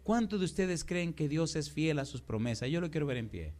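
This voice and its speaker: Fervent male preacher, voice pitched high. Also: lively intonation, brisk. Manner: builds to loud emphatic rising cries; retells conversations, acting out each speaker. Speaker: pastor. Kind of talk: live sermon with storytelling. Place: church before a congregation.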